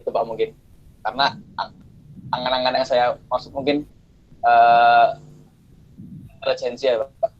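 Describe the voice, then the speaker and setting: A man's voice: medium pitch, level tone, normal speed, long pauses, muffled recording. A male student answering hesitantly in an online class, his audio breaking up over the call and asking to be corrected. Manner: hesitant, apologetic, asks to be corrected. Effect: choppy online call audio breaking up.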